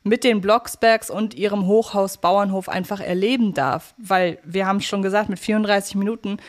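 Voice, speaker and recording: A woman's voice: mid-range voice, fairly even intonation, moderate pace. A woman co-hosting a podcast, chatting casually as she reviews an audio drama. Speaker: podcast co-host.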